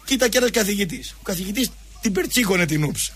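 A man's voice: high-pitched, over loud music. A man hosting a sports show, telling casual anecdotes and acting out the dialogue. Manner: animated, acts out dialogue in quotes.

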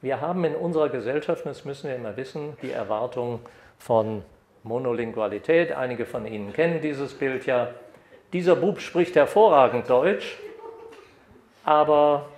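An older man giving an academic lecture at a podium microphone, lively when reading examples aloud. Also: mid-range voice, normal speed. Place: lecture hall. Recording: echoey hall.

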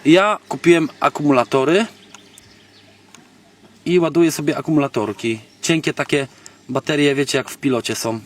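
Here a video blogger from Poland, his voice fairly high, shows off a gadget in an unscripted, relaxed way. His slangy, colloquial talk is full of pauses as he thinks aloud, and the audio is noisy, with a far-off microphone and clicks in the background.

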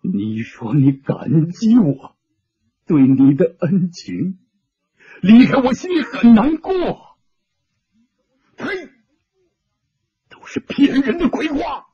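A man voicing a grief-crazed older male hermit who rants in a drawn-out, raspy way. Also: sits high, very animated, lo-fi sound, pitched above the performer's own voice, exaggerated voice. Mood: raving.

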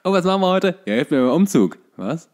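A man's voice: high-pitched, big pitch swings, fast, darkish tone. A man chatting casually about football as a podcast co-host, often searching for his words.

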